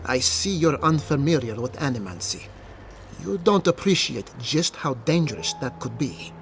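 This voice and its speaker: A man's voice: medium pitch, expressive, moderate pace, a little hiss or hum, lightly acted. A man playing an officious, cautious governor in a fantasy video game, formal and condescending. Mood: stern, concerned. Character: officious, cautious male governor, haughty but protective. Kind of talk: video game character acting.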